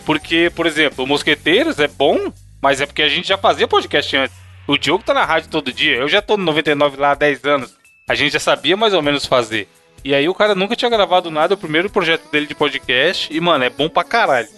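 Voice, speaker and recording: A man's voice: a little high, expressive, fast, bright, forceful tone, soft background music. A man co-hosting a podcast, chatting casually in a slangy, jokey way. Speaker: podcast co-host.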